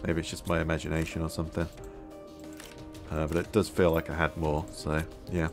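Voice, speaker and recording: A man musing aloud as he plays a game, his voice a little hoarse, with many fillers. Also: rumbling low, flat delivery, brisk, over music. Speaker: gameplay video host. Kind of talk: casual gameplay commentary.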